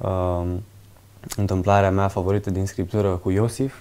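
A man speaks at a very deep, low pitch. His moderate-paced delivery is monotone and flat in intonation. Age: 20s. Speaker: nurse; interview guest. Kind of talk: interview; interview answer. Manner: halting. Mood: warm, reflective memory. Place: studio.

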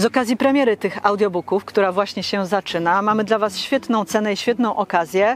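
A woman of medium pitch speaks at a very fast pace with hardly any pauses and very even loudness, the sound dry with no echo. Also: ordinary pitch variation. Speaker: travel vlogger; audiobook narrator. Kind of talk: casual talk to camera. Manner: upbeat. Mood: cheerful, excited. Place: open country.

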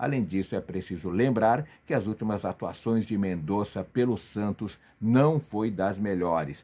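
Dark, mellow tone from a man, fairly low in pitch with lively intonation and a fairly slow pace. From Brazil. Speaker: football news youtuber. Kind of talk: sports news commentary. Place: home room. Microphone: webcam.

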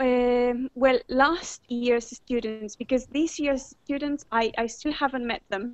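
In a Spanish accent, a woman speaks very slowly with a high pitch, fairly even intonation and hardly any pauses, recorded dry with no echo against a quiet background. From Buenos Aires, Argentina; Argentina. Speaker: English teacher. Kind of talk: casual chat. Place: home room. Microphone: headset.

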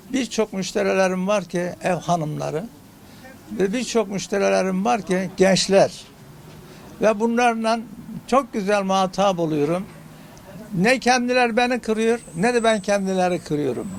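Fairly slow speech from a man with a high voice and ordinary pitch movement. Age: 80s+. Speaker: tailor. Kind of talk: interview answer.

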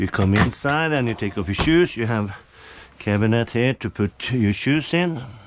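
A man talks at a moderate speed, with noticeable noise in the background. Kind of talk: casual vlog chat. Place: car. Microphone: phone near.

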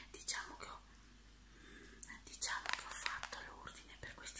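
Someone is whispering at a moderate pace. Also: woman. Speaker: ASMR creator. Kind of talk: ASMR whispered haul talk. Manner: whispered. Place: home room. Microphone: phone near.

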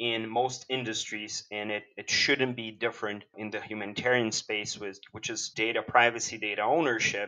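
A man speaks with a Portuguese accent at a moderate pace, his intonation fairly even. The background is quiet. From Brazil. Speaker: podcast host. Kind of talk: interview. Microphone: video call.

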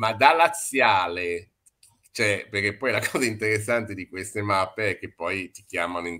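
This man has a fairly low pitch and a bright, sharp tone, speaking at a fairly slow pace. His loudness swings widely, and the recording is very clean with a silent background. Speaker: journalist and show host. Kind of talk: interview.

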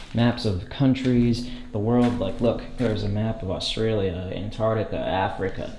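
Over background music and audible room echo, a man talks in a fairly low pitch with fairly even intonation. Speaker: urban explorer vlogger. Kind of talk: casual vlog chat. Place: empty room. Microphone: phone near.

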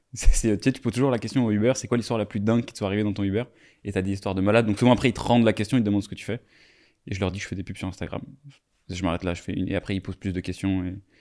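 Very fast in pace, a man speaks with a fairly low pitch and a dark, mellow tone. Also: fairly even intonation, quiet background. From Paris region, France; France. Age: 20s. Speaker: agency founder; podcast guest. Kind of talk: casual interview. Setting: in person, Versailles. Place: home room. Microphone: studio mic.

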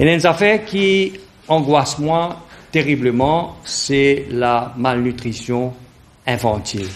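A man with a Mauritian accent talks at a very slow pace. His pitch is fairly high and his intonation lively. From Mauritius. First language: Mauritian Creole (speaking French). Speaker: politician; party spokesman. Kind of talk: press statement. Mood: earnest, concerned. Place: meeting room. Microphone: podium.

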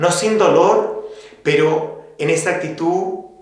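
Audible room echo surrounds a man as he speaks. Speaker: priest. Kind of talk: sermon. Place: empty room.

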